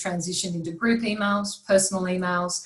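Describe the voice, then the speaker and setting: This woman has an Australian accent and a medium pitch, and her voice is somewhat breathy. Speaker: community engagement panelist. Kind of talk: webinar presentation. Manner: fast.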